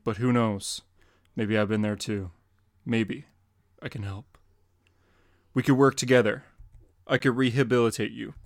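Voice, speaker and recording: A man's voice: medium pitch, no echo, clean studio sound, close to an everyday voice. A man reading as a grim masked vigilante. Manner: earnest, measured, pleading. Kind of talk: dramatic comic reading.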